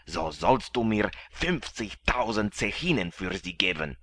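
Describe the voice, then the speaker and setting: A contemptuous galley master from an audiobook, voiced by a male narrator. He speaks bluntly, slowly and deep. The recording is dry and close. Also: very animated, a bit bright, no echo, heavily acted. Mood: scornful. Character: gruff, scornful galley master, middle-aged man.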